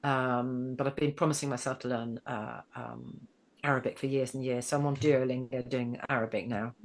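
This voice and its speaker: British female storyteller as interview guest, low register, tentative and conversational. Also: fairly even intonation, moderate pace. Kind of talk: casual interview chat.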